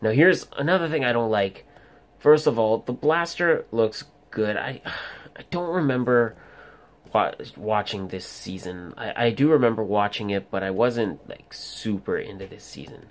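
The speech moves at a moderate pace. Its loudness swings widely. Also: man. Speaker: toy reviewer. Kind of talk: casual review commentary. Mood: mildly critical, relaxed. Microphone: phone near.

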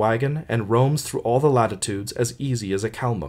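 This man's voice is somewhat breathy and medium in pitch. He keeps a moderate pace with ordinary pitch variation. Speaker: audiobook narrator. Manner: even, contemplative cadence with long, weighty sentences.

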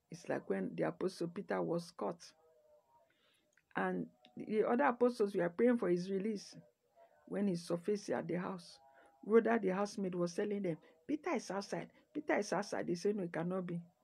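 Over a quiet background, a woman with vocal fry speaks at a fairly quick pace in a dark, mellow tone with ordinary pitch variation. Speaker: minister. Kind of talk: sermon. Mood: warm, encouraging, occasional laughs. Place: home room.

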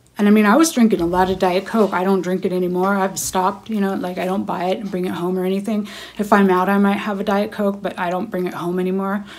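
A woman's medium-pitched, monotone voice at a very fast pace with hardly any pauses and flat intonation, plus audible room echo and noticeable background noise. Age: 40s. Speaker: beauty vlogger. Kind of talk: casual chat. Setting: home bathroom.

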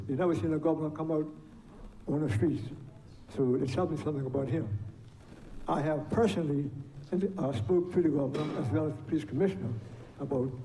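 Delivered at a very fast pace with ordinary pitch variation, the speech is broken by long, frequent pauses and carries audible room echo. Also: man. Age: 80s+. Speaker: retired police officer speaking at a town hall. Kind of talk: public comment at a town hall meeting. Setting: town hall meeting with audience. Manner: halting, with repetitions.

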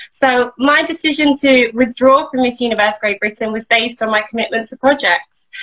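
Speaking with a southern English accent against a quiet background, a woman talks at a fairly quick pace with hardly any pauses, her high pitch showing ordinary variation. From southern England. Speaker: beauty pageant contestant. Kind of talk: interview. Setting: video call. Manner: loud; animated. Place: home room. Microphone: video call.

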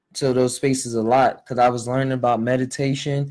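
A man with an American accent and a fairly high pitch, against a quiet background. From Philadelphia, US. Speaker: podcast host. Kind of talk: casual solo talk show. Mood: relaxed, reflective. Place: home room. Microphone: studio mic.

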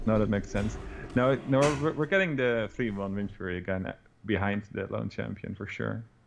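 Over noticeable background noise, a man with a Dutch accent speaks at a fairly low pitch with ordinary pitch variation. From Netherlands. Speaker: gaming co-player; game streamer. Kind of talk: casual gaming commentary. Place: home room.

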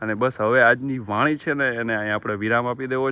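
This man has an ordinary speaking voice. His intonation stays fairly even. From Gujarat, Saurashtra (Jamnagar area). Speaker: vlogger. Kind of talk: casual vlog narration. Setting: in a car.

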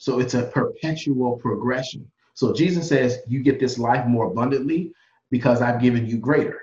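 Heard with audible room echo, a man with an American accent speaks at a medium pitch and moderate pace, his voice somewhat breathy and his intonation fairly even. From Chicago. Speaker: life coach and minister; life coach, minister. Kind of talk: casual interview. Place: home room. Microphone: webcam.

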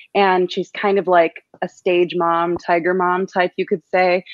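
A woman with an American accent talks at a fairly slow pace. The sound is dry with no echo, and the background is quiet. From Chicago, US. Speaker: opera singer and former beauty queen; guest. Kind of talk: casual chat. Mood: friendly, smiling. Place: home room.

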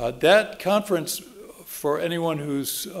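A man speaks with ordinary pitch variation. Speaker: forum director. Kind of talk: welcome remarks. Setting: stage with audience. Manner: halting. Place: hall. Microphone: podium.

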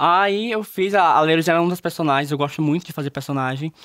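A man talks at a very fast pace with ordinary pitch variation, his voice dry and free of echo. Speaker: content creator and character actor. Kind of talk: casual interview. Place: studio.

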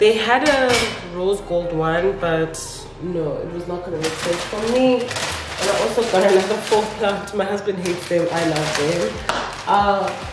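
A woman speaks at a fairly slow pace with ordinary pitch variation. Audible room echo and noticeable background noise surround her voice. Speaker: home vlogger. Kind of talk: casual vlog chat. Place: kitchen. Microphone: phone near.

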